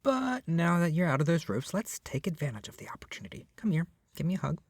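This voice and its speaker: Man acting a breathy, doting lovestruck yandere kidnapper. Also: a little high, big pitch swings, fast talker, no room sound, studio quality, full character voice. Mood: tender, coaxing. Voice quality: soft, breathy, often dropping to a whisper. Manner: gushing, earnest, coaxing, awkwardly sweet. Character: lovestruck, doting young male yandere kidnapper, clingy and tender. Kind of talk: ASMR roleplay, intimate second-person acting. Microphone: close microphone, dry.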